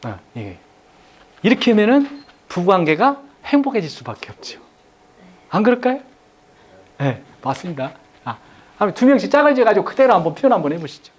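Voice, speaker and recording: A man's voice: high voice, fast talker. A man giving an interactive lecture on marriage communication to a live audience. He coaxes them to take part, acts out what husbands and wives might say, and chuckles often. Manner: animated, coaxing the audience, acting out couple dialogues, chuckling often.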